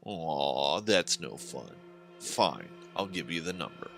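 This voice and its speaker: A man's voice: extremely low pitch, expressive, takes it slowly, gravelly, music in the background, heavily acted. A man voicing an amused, dismissive male military secretary in a horror story, teasing and sarcastic. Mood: mocking amusement.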